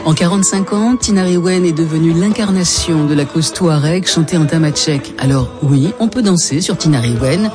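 A woman's voice: deep voice, normal speed, hardly any pauses, over music. A woman reading a radio concert promo with enthusiasm.

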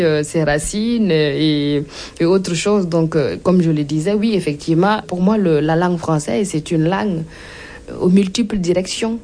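A woman's voice: lowish voice, warm tone. A woman from Burkina Faso with a Burkinabé accent, a Mooré speaker, guest author and comedian reading and talking in an interview.

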